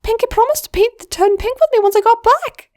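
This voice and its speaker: A woman doing a bubbly high-pitched goblin girl. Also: a little fast, darkish tone. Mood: eager. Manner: eager, pleading, gushing. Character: bubbly, excitable young female goblin.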